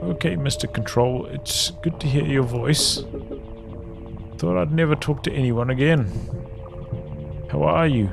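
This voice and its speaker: A man's voice: fairly high pitch, a little slow, vocal fry, pauses often, music in the background. A man reading the part of a reckless, hopeful female space scientist in a visual novel. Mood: curious, relieved.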